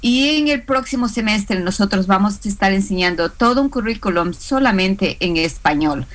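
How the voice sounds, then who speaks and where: Woman with a Hispanic accent, credit class instructor; halting delivery full of fillers, mid pitch. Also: expressive, a bit bright. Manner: hesitant, many fillers and restarts. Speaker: small business credit instructor. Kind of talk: radio and live stream interview guest.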